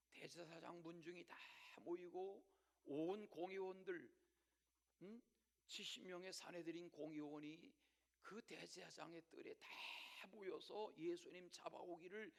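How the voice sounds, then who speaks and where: A man preaching in a church service with a high voice and a gravelly edge. He tells the story dramatically, rising to loud declarations and then dropping to a hushed whisper, and he keeps turning to address the congregation directly. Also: steady tone, normal speed. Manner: direct repeated appeals to the congregation. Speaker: pastor. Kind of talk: Sunday sermon.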